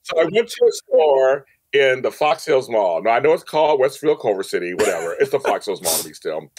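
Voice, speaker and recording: A middle-aged American man telling stories casually as an interview guest, chatty and quick to act out what people said. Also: medium pitch. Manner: chatty, animated, acts out quoted remarks. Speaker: podcast guest, entertainment reporter and host.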